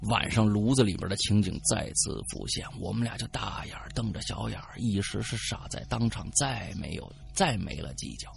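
A man hosting and narrating a spooky first-person story with dramatic, animated delivery and chatty asides. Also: on the low side, moderate pace, vocal fry, hardly any pauses. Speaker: storyteller host.

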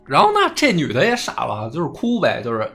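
A man tells a history tale with a lively voice that leaps up and down. He acts out the quoted lines and swears casually. Faint music plays underneath. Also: a little high, brisk, vocal fry. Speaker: history podcast host. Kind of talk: casual storytelling chat.

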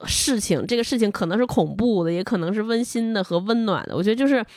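A woman's voice: mid-range voice, fast, a little mellow, no room sound, studio quality. A woman co-hosting a book podcast, reading a passage aloud and chatting in a reflective way. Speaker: podcast co-host. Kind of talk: casual chat and reading aloud.

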